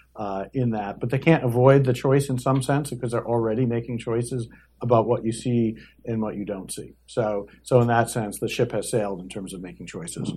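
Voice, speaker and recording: Somewhat breathy and dark, mellow in tone, a man speaks at medium pitch and a fairly quick pace with fairly even intonation. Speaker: professor panelist. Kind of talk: panel discussion.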